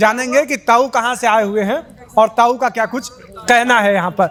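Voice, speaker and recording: Here a man has an extremely high pitch and fairly even intonation. He talks at a moderate pace. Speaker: reporter. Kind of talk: field news report to camera.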